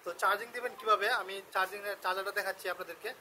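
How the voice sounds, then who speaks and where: A man with a Bangladeshi accent giving a casual product demonstration and sales pitch, explaining step by step and often repeating himself. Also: steady tone, very fast, pushed and bright, a little hiss or hum. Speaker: shop seller presenting a product on his channel.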